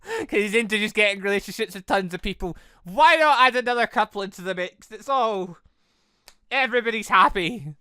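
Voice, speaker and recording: A bright, forceful voice with a clean, smooth tone, chatting through a visual novel let's play. The delivery is casual and rambling, wandering off on tangents, and the sound is dry and close. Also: mid-range voice, expressive, a little fast, no echo. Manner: rambling, chatty, frequently side-tracked. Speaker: gaming video creator, narrator.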